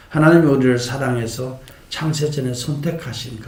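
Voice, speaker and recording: A man speaks at a moderate pace and medium pitch, with ordinary pitch variation. Audible room echo surrounds the voice. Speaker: pastor. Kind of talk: sermon.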